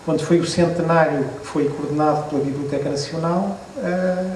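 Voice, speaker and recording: A man's voice: on the high side, steady tone, normal speed, a little mellow. Reflective Portuguese man, distant in echoey room. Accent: European Portuguese. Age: 50s. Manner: reflective storyteller, hesitant restarts, wry self-deprecating asides. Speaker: photographer and book author at a presentation. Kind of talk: relaxed anecdotal talk to an audience. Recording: echoey room, distant mic, faint noise.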